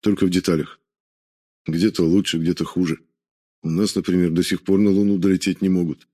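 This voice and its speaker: A man voicing a guarded soldier from a parallel world who answers in a measured way. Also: low voice, level tone, warm tone. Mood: explaining. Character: guarded Russian soldier from another world, male.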